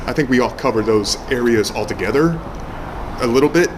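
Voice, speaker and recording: A man giving casual interview answers in a hesitant, halting, self-effacing way. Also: mid-range voice, animated, noisy background. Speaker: pipe channel creator being interviewed.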